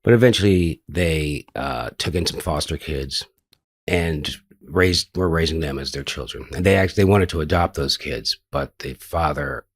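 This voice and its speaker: A man's voice: extremely low pitch, moderate pace, breathy edge, no room sound. An older American man telling his life story as a podcast guest, rambling loosely with lots of fillers and the odd swear word. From United States. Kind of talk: casual interview storytelling.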